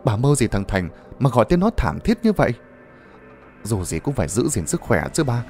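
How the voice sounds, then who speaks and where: A man's voice: mid-range voice, very animated, a little mellow. A man voicing a neighbor woman who chides and fusses over her friend. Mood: chiding. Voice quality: brisk, chiding. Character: fussing neighbor woman, caring and practical.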